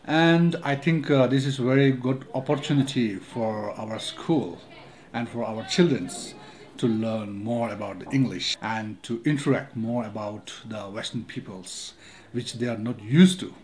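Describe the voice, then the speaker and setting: A man's voice: medium pitch, unhurried, darkish tone. Earnest man explaining. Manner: earnest, explanatory, non-native grammar. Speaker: monastery school administrator. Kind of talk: documentary interview. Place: office indoors.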